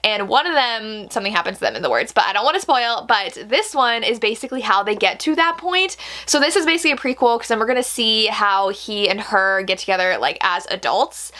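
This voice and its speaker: A woman's voice: fairly high pitch, animated, brisk, bright, forceful tone. A woman talking casually as a booktuber, gushing enthusiastically about her picks and peppering her speech with "like" and emphatic repeats. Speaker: book reviewer, booktuber. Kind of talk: casual booktuber vlog, chatty recommendations.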